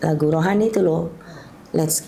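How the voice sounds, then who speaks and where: A woman's voice: sits low, normal speed, gravelly, a crowd in the background. A middle-aged woman, a mother recounting family memories in an interview and acting out the voices of her relatives. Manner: lively storyteller, acts out family dialogue. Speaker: grieving mother, guest. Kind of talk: tearful storytelling interview. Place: studio.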